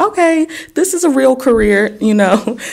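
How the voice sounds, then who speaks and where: A woman speaks in an American accent. Her pace is fairly slow and her intonation lively. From Oakland, US. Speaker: youth poet laureate. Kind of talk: interview answer. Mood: warm, animated. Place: studio. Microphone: handheld.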